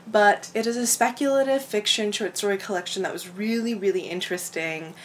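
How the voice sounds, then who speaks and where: A woman's voice: mid-range voice, brisk, slight background noise. A woman with a clogged-up throat, chatting casually at home about books she read, rambling, laughing and swearing freely. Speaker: book vlogger. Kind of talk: casual book review chat. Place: home room with window open.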